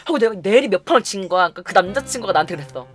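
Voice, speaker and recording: A young woman vlogger telling a story to camera in a casual, animated way, acting out quotes and laughing often. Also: medium pitch, rapid-fire, music in the background.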